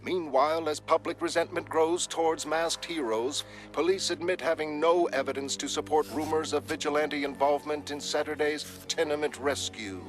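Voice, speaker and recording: A man voicing a formal news announcer who reads in a measured broadcast style. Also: fairly high pitch, steady tone, pitched above the performer's own voice, natural voice. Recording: music underneath.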